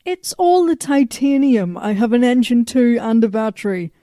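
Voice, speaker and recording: A woman playing a cocky half-robot cyborg in an audio drama, teasing in a relaxed, deadpan way. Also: a little high, moderate pace, dry recording, studio quality. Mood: matter-of-fact.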